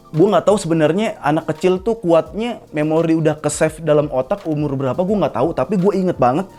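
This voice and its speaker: A man, telling stories from his life in a casual, slangy stand-up monologue, his pitch jumping up at the punchlines. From Jakarta, Indonesia. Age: 20s. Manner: casual slangy storytelling with animated pitch jumps. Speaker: stand-up comedian. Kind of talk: comic monologue storytelling. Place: studio.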